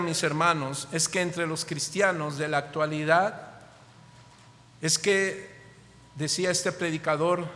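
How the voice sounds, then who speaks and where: Preaching in a church hall full of lingering reverb, a man with a Mexican Spanish accent poses rhetorical questions to his congregation, lifting them emphatically. His voice sits a little high and has a sharp tone.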